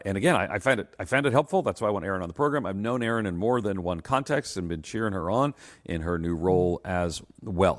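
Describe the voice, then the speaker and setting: A middle-aged man hosting a call-in radio show, upbeat and quick, often repeating himself. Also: deep voice. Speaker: radio host.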